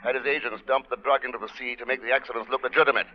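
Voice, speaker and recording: A man plays a cool, dry-witted investigator in a 1940s radio thriller. His voice is mid-pitched and composed, with terse lines. The old recording is slightly muffled. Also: fairly even intonation, rapid-fire, lightly acted. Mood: brisk. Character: self-assured, dry-witted male investigator hero.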